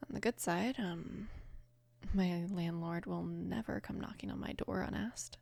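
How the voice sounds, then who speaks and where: A woman of about twenty playing a caring, apologetic mafia boss's daughter in an intimate ASMR roleplay, soft-spoken and hesitant, with a breathy, creaky voice. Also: lowish voice, steady tone, a little slow, no room sound. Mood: hesitant, confiding. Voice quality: breathy, whispery with heavy creak.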